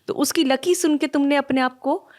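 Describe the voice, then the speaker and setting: Animated woman telling stories in a podcast interview. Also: high voice. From Pakistan. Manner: animated storyteller, mixes English phrases into Urdu. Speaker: communication trainer and guest speaker.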